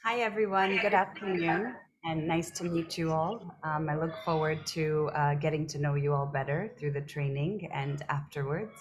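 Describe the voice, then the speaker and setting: Low-voiced friendly American woman. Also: steady tone, normal speed, a crowd in the background. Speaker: trainer. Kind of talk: self-introduction in online training.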